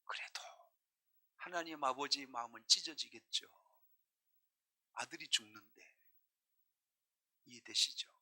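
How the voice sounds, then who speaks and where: A male pastor preaching a sermon, emphatic and full of questions to the congregation, often dropping to a hush and then rising again. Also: mid-range voice, a little slow, long pauses, breathy edge. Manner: emphatic preaching, questioning the congregation, swinging between loud and hushed.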